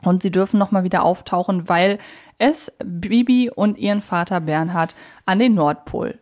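A woman's voice: lowish voice, moderate pace, darkish tone. Chatty woman co-hosting a podcast. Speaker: podcast co-host. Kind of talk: casual conversational discussion of audio dramas.

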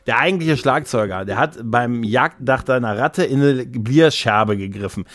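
A man's voice: medium pitch, normal speed, a bit bright, no room sound. A man chatting casually as a podcast co-host, telling stories in a rambling, jokey way.

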